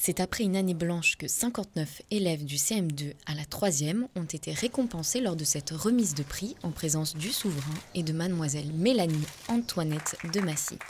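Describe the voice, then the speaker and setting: A woman with a notably low voice narrates a news report over faint background noise. Her reading is steady and formal. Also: normal speed, hardly any pauses.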